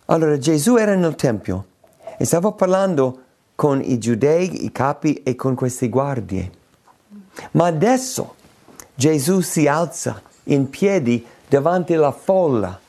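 A man's voice: mid-range voice, vocal fry, warm tone. A man preaching a sermon in an emphatic way, repeating words for stress.

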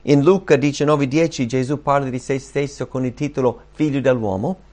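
A man preaching a sermon, earnest, rising and slowing down when he quotes scripture. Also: mid-range voice, fairly even intonation, a little mellow. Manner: earnest, rises and slows when quoting scripture.

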